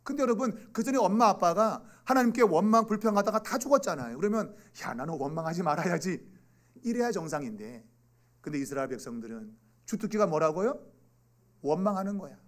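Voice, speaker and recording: A man preaching a sermon to children in a church, lively and animated, acting out quoted voices and dropping to quiet asides. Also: high-pitched, fairly quick. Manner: animated, acts out quoted voices, rising and dropping to near whispers. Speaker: pastor. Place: church sanctuary.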